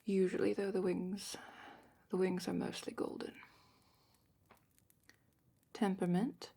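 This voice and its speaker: Female performer as dragon expert, ASMR roleplay. Hushed and matter-of-fact, breathy half-whisper with creaky edges, explanatory. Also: medium pitch, flat delivery, slow pace, heavily acted. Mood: calm, instructive. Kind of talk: soft-spoken fantasy ASMR roleplay, partly whispered.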